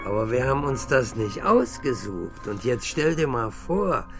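An easygoing, musing man in a radio play. His mid-pitched voice moves freely up and down as he philosophizes peaceably, with clear music underneath. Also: very animated, measured pace.

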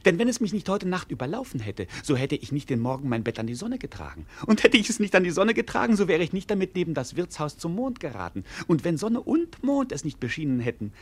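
A man playing an idle, roguish wandering fool in a German radio play, declamatory and playful, with a husky voice. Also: a little high, big pitch swings, fast, hardly any pauses. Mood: mock-earnest rambling. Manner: declamatory, playful, sometimes sing-song.

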